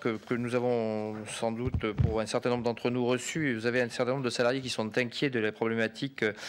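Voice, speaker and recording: Against a quiet background, a man with a medium-pitched voice talks at a fairly quick pace with hardly any pauses. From Dauphiné, southeastern France. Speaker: member of parliament. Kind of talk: committee hearing question. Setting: parliamentary committee room. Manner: halting, many repetitions and hesitations.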